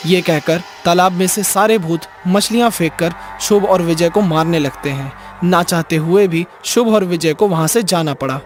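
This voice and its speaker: Casting: male storyteller for cartoon horror, fairly high voice, scripted narration over clearly audible music. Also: moderate pace. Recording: music behind the voice.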